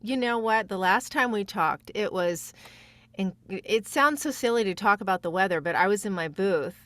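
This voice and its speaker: Female podcast guest, mid-pitched, chatty and effusive, recorded close and dry. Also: moderate pace, fairly bright tone, dry recording. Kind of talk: casual chat.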